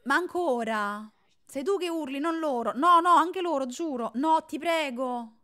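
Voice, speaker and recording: A young woman streams a horror game with casual live commentary, her voice sitting high and her pace moderate. She's excitable, cracking jokes and yelling threats at the characters on screen.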